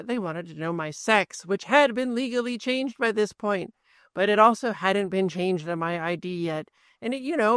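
A woman hosting a podcast, speaking earnestly in a steady, scripted personal monologue. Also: mid-range voice, no echo, clean studio sound. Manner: earnest, steady, with show plugs. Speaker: podcast host.

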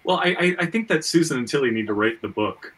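Bright-voiced man, stammering, slightly distant mic. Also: mid-range voice, expressive, fast talker, a little hiss or hum. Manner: stammering, repeats words as he reasons aloud. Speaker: podcast host; screenwriter and fiction writer. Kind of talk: casual panel talk. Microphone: video call.

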